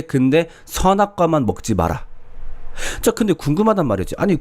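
A man's voice: mid-range voice, darkish tone. A man explaining Christian ideas through casual stories, asking himself questions and acting out the dialogue. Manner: informal, asks rhetorical questions, acts out dialogue.

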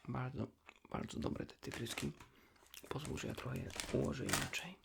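A man whispers softly and intimately, in an unhurried ASMR chat as if to a friend. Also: medium pitch, heavy background noise. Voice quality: soft breathy whisper. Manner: hushed, intimate, unhurried, addressing the listener as a friend. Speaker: ASMR creator, host.

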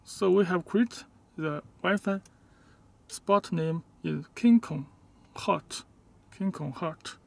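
A man with a high voice and a creaky edge walks through a product setup very slowly. He is not a native English speaker and talks in short, halting, simple phrases, like a hands-on tutorial recorded in a car. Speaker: product demonstrator. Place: inside a parked car.

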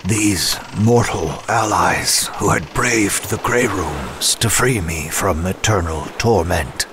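A centuries-old immortal attendant in an audio drama. His low voice moves slowly through formal, pensive phrases with a solemn air. There is clear noise behind him. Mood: uneasy, pensive. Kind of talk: scripted audio drama monologue. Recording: clear background noise under voice.

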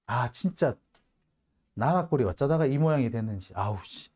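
A man's voice: medium pitch, expressive, moderate pace, a little mellow. A man hosting a political commentary show, delivering an angry, sarcastic monologue full of curses and sighs. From South Korea. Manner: heated, cursing, sarcastic, sighing.

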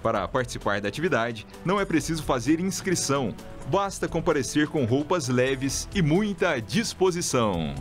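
A man from Brazil reading scripted local news as a radio presenter, in a steady announcer delivery. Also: on the high side, normal speed, few pauses, over music.

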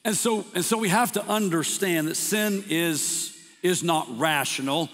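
A man preaching a sermon as pastor, emphatic, repeating words and slowing down to stress scripture. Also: high voice, fairly bright tone. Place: church sanctuary. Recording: long hall reverb.

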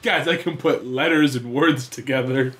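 A man's voice: medium pitch, normal speed, a bit bright, a little hiss or hum. A man giving casual, joking game commentary in a silly, sarcastic manner.

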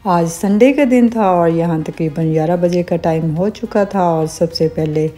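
A middle-aged woman narrating her family travel vlog as a calm voice-over, with religious greetings and small hesitations. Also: on the low side, moderate pace, soft background music. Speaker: vlogger.

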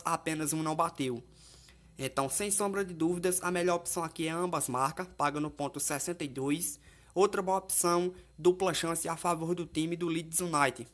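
A man's voice: a little high, fairly bright tone. A Brazilian man presenting casual football betting commentary as a tipster, talking to viewers in a familiar, colloquial way. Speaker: sports betting tipster and host.

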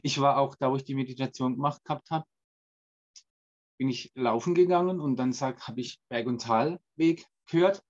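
A man's voice: medium pitch, moderate pace, darkish tone, dull audio. A man taking part in an online coaching group, telling a story plainly and eagerly and stumbling over some words. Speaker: participant. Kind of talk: casual chat on a video call.

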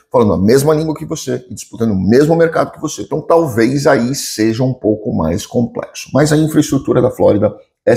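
A man's voice: medium pitch, vocal fry, warm tone. A man in his forties with a Brazilian accent, giving opinionated, conversational commentary to camera with emphatic repetition. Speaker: lawyer and business commentator. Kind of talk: informal explanatory commentary to camera. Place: home office or study with bookshelves, indoors.

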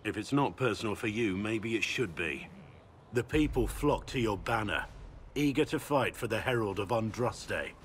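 An actor playing a grim, loyal middle-aged warrior in a fantasy game, solemn and intense. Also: male voice, lowish voice, animated, measured pace, a little hiss or hum. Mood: grim, vengeful. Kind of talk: fantasy video game acting.

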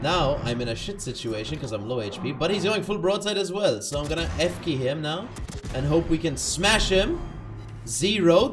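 A man giving casual live commentary over his own gameplay, chatty and self-correcting, having just woken up. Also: a little high. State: just woke up.

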